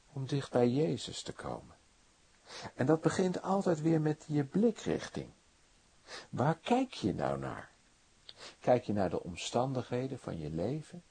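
A male preacher delivers a sermon at a slow, deliberate pace, telling the story with dramatic flair. His voice is mellow and a little husky, and his pitch rises and falls over a very wide range. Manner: dramatic storytelling with wide swings between soft and emphatic.

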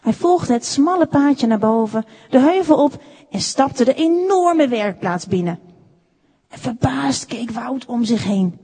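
A woman reads a children's storybook aloud, slow and expressive, her voice on the higher side and rising and falling a lot. The tone is slightly breathy, and a long reverb trails behind each phrase. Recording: echoey room with long reverb.

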